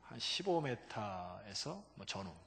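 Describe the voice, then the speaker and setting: A male pastor preaching a sermon, emphatic, swinging between loud exclamations and hushed low asides and calling out to the congregation. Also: big pitch swings, measured pace, vocal fry. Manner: calls out to the congregation for responses. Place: church sanctuary. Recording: long reverb of a large church hall.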